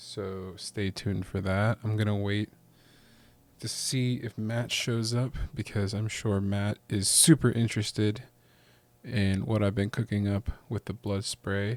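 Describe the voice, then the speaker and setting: Here is a man with a normal speaking voice, pitched fairly low. He talks at a fairly slow pace with fairly even intonation, in a dry, close sound with no echo. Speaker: livestream host. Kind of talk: casual livestream chat.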